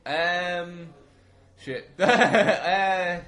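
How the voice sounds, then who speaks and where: A man's voice: sits high, very slow, bright, forceful tone. A man as a podcast guest in casual chat, talking in a hesitant, giggly way.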